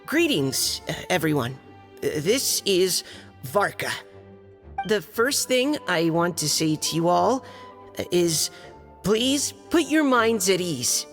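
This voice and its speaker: A young actor playing a shy, hesitant surveyor who stammers while reading a letter aloud. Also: male voice, high voice, big pitch swings, takes it slowly, a bit bright, heavily acted. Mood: formal. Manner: nervous and hesitant, stammers and clears his throat. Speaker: letter reader. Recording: game audio with reverb and music.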